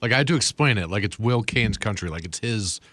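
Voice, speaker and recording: A man co-hosting a show, chiming in with quick agreements and teasing questions. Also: lowish voice, lively intonation, a bit bright, dry recording. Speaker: co-host. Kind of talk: casual banter.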